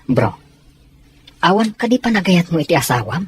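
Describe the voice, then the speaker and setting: A man's voice: high voice, very animated, moderate pace, a little hiss or hum. A man playing an earnest, deferential soldier in a serial drama, speaking in a conversational, explanatory way. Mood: reproachful. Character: earnest soldier, deferential, reasoning with his comrade. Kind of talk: Ilocano serial drama acting.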